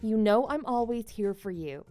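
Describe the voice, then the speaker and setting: A woman performs a devoted, accommodating wife in a scripted story drama. Her voice is high and swings animatedly as she talks conversationally. The recording is dry and close. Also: lively intonation, normal speed, dark tone, no room sound, soft background music, lightly acted. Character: devoted, slightly needy wife, doubtful but accommodating.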